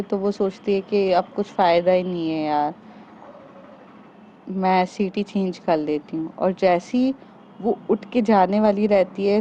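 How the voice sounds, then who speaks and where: Slow, mellow woman storyteller. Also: medium pitch, slight background noise. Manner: chatty, with fillers, addresses listeners as friends. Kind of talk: casual spoken storytelling. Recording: dull lo-fi recording.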